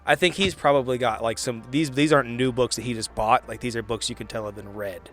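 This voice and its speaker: A man chatting casually as he narrates his part in a tabletop roleplay, halting as he thinks aloud. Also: mid-range voice, fairly even intonation, fairly bright tone, soft background music. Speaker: podcast player.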